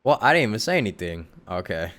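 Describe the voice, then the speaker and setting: A man's voice: lowish voice, very animated, quick pace, background noise. A man casually streaming a video game live, reacting aloud as he plays.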